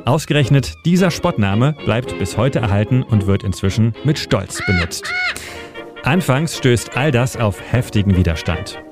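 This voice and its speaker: A man reading a scripted radio feature about history and architecture in a measured documentary manner. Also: mid-range voice, expressive. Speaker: feature narrator. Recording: studio voice-over over music.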